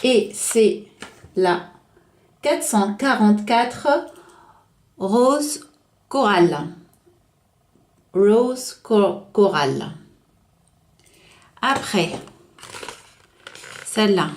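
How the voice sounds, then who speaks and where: A woman reviewing nail polish in a casual, chatty way, hesitating often and correcting herself, slowing down to spell out each shade name. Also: medium pitch, lively intonation, darkish tone. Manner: chatty, hesitant, full of filler and self-corrections; slows down to read out shade names. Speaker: beauty vlogger.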